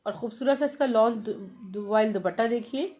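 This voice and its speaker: A woman with a Pakistani accent giving a live sales pitch for clothes in chatty teleshopping patter, repeating her praise and prices. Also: moderate pace, a little mellow, breathy edge. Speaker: live online clothing seller.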